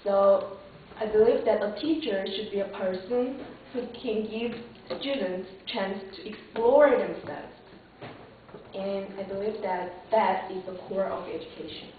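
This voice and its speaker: A woman's voice: medium pitch, measured pace, a little hiss or hum. Woman with a Korean accent, echoey and distant. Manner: earnest, hesitant with restarts and fillers. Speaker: job applicant for English teacher. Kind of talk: mock job interview answers. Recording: distant echoey lo-fi phone-like room recording.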